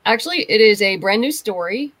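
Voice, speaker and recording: A woman's voice: medium pitch, expressive, brisk, fairly bright tone, dry recording. A woman speaking as a guest in a casual interview, explaining her work as a writer and producer. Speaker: writer and audio drama producer, podcast guest.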